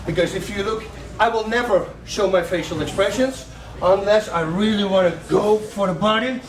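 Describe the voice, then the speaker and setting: A man coaching a striking class, counting out combinations with punch sounds and shouting cues to his students. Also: sits high, moderate pace, crowd noise. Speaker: martial arts coach. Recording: roomy, distant, faint gym noise.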